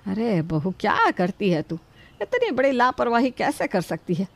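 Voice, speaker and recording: Woman doing a motherly mother-in-law, scolds but covers for her, lively ups and downs. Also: medium pitch, normal speed. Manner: scolding yet caring. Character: kind, protective mother-in-law.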